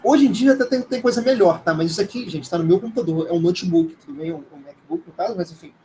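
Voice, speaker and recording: A Brazilian man with a fairly high voice teaches an informal live class. He speaks conversationally and hesitantly, often checking in with short tag questions. Noticeable noise sits behind his voice. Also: expressive, fast, creaky, warm tone, poor audio. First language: Portuguese. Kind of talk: informal live lecture with screen demonstration.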